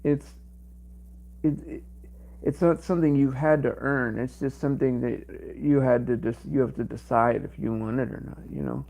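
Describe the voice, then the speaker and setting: A man hosting a livestream in casual chat, his voice strained and cracking, rambling and halting with many fillers. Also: medium pitch, vocal fry, warm tone. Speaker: livestream host.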